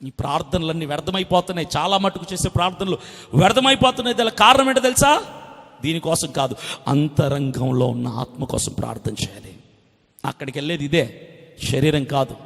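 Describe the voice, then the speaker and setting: A middle-aged man preaching a sermon with passion, asking rhetorical questions and swinging between loud and hushed delivery. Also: a little high, lively intonation, a little fast, vocal fry, big-room sound. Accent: Telugu. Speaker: evangelist preacher.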